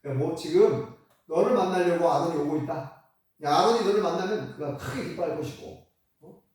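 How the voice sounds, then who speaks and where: Preacher doing god scolding then reassuring, lively voice, lots of church echo. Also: male voice, fairly high pitch, normal speed, natural voice. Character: stern but encouraging male deity. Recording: echoey church hall, mic at a distance.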